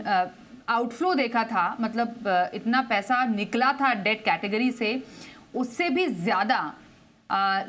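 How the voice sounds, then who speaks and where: A woman's voice: on the high side, a bit bright. Hesitant woman news anchor. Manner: hesitant, many fillers and restarts. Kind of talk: business news interview.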